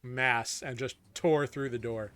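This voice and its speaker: A man running a tabletop game as game master, narrating casually in halting, improvised descriptions. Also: mid-range voice, fairly even intonation, pushed and bright, smooth.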